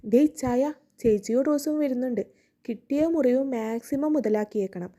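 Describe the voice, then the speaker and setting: A woman voicing an excitable, teasing young man who meddles and jokes. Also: high voice, normal speed.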